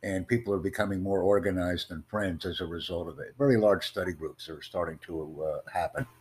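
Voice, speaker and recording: A man with a very deep, low voice hosts an online chat. He speaks in measured, formal sentences, pitching his ideas like a presentation. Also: darkish tone, slight background noise. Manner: formal, promotional, measured delivery. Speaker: host of online conversation. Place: in the United States.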